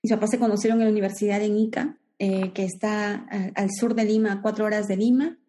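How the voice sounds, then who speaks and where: A woman's voice: medium pitch, fairly even intonation, a little fast, warm tone. A Peruvian woman in her forties, a guest in an interview, talking reflectively with many restarts and fillers. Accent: Peruvian Spanish. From Peru. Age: 40s. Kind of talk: conversational interview.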